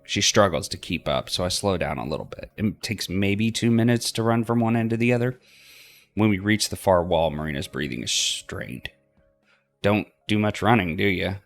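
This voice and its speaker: A man narrating a story game aloud as a let's play host, expressive in his reading. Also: low-pitched, moderate pace, vocal fry, faint music behind.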